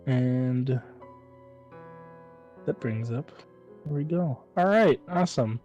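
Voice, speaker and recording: A man's voice: mid-range voice, takes it slowly, warm tone, muffled recording. A man playing a tabletop game, chatting casually and thinking aloud about his moves. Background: background music.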